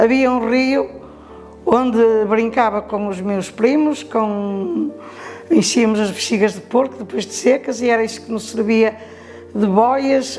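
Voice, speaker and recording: A fairly slow, fairly high-pitched woman's voice with ordinary pitch variation, over noticeable background noise. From northern Portugal, Felgueiras (Porto district). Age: 70s. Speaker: retired union leader. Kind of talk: life story testimony. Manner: halting, with filler sounds.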